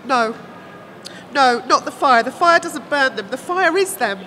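Frenzied young seer girl in an audiobook, really high and bright, repeats herself. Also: expressive, a little slow, slight background noise, full character voice. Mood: urgent, searching. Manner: repetitive, breathless outbursts, screaming at peaks. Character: frantic young prophetess gripped by visions, fearful, fervent.

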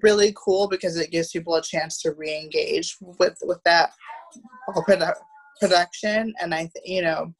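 A woman in her thirties chatting casually on a video call, halting and often repeating words as she goes. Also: fairly low pitch, fairly even intonation, slightly rough, low-quality recording. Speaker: theatre producer, panel guest. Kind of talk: casual roundtable chat. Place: room at home, on a video call.

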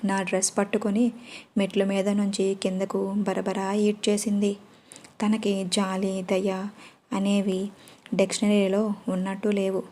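A woman doing a fed-up male manager griping loudly in an audio story. she keeps him in a flat, narrow voice with little pitch movement. the tone is mellow and soft-edged, not a big character voice. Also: unhurried, close to an everyday voice. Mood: exasperated. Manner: complaining, exasperated shouting. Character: panicky loud-mouthed male manager, middle-aged.

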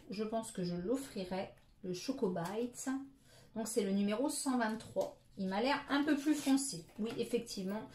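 A woman's voice: medium pitch, a little mellow, a little hiss or hum. Middle-aged woman, casual haul vlogger, chatty with many hesitations, echoey room. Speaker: beauty vlogger.

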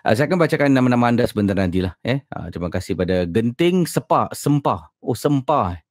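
A man's voice: mid-range voice, expressive, brisk, no echo, clean studio sound. A Malaysian man hosting a casual livestream, speaking with a slight slurred lisp from a sore, ulcerated tongue. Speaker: podcast and livestream host. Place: at home.

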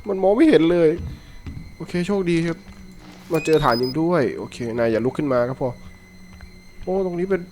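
A man giving commentary while playing a horror game, jumpy and quick to yelp when startled. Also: a little high, lively intonation, darkish tone, slight background noise. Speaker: gameplay streamer.

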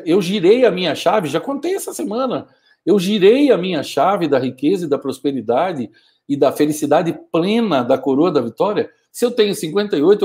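Man in his fifties, fiery motivational speaker. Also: high-pitched. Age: 50s. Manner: forceful, scolding, gestures a lot. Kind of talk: motivational live stream. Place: small home studio with film props. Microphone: wired earphone mic, webcam framing.

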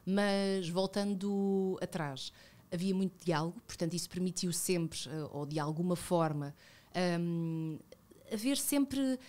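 A woman in her thirties with a European Portuguese accent, talking reflectively as a podcast guest, with many fillers and self-corrections, close on a studio boom mic. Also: unhurried, a little mellow. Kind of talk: casual conversational interview. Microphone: studio boom mic with headphones.

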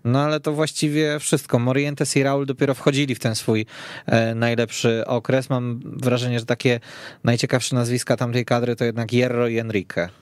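A man's voice: mid-range voice, little pitch movement, normal speed, clean tone, no echo. A man hosting a football discussion in a radio studio. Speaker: podcast host.

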